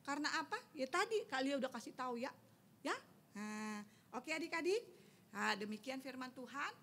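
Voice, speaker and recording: Bright high-voiced Sunday school teacher. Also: female voice, normal speed, a little hiss or hum. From Indonesia. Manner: lively, keeps quizzing the children. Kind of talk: storytelling sermon for children.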